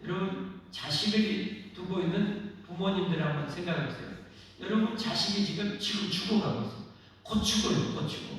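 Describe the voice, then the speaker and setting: A man pastor giving a sermon, acting out quoted voices with big swings between loud and soft. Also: high-pitched, normal speed, slight background noise. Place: church sanctuary. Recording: echoey church hall, voice from far off.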